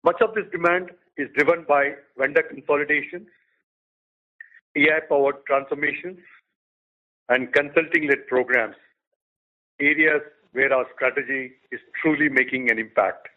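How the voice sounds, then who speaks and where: A chief executive with a rather high voice delivers a prepared quarterly business update in short, measured phrases. The recording sounds tinny, like a phone line.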